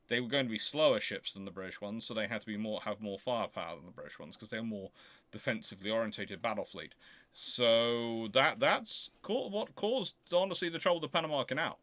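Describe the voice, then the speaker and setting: A man hosting an informal question-and-answer show, explaining things in a halting, self-correcting way. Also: medium pitch, bright, forceful tone, no echo. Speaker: host of a naval history Q&A show.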